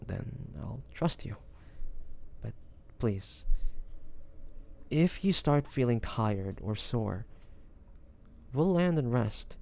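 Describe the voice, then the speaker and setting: A man playing a devoted young lover in an intimate romantic fantasy audio roleplay, speaking softly and haltingly with great affection. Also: mid-range voice, expressive, gravelly, full character voice. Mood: caring, reassuring. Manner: soft, hesitant, affectionate, halting phrases.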